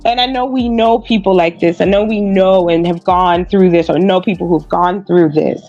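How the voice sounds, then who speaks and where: A woman speaking on a live panel, measured and earnest, making her points step by step. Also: mid-range voice, a little mellow, highs cut off.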